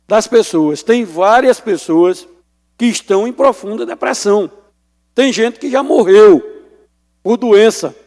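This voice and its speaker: A legislator with a high, gravelly voice speaks in formal, indignant tones. His words are deliberate and serious. The long reverb of a large chamber surrounds them. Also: a little mellow. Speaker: state legislator. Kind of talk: parliamentary floor speech.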